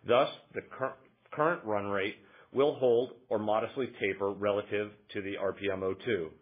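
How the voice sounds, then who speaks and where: Male finance executive, lowish husky voice, formal measured delivery of a prepared earnings report, narrow phone-line sound. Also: steady tone. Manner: formal, measured reading of figures. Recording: muffled, narrow phone-line conference audio.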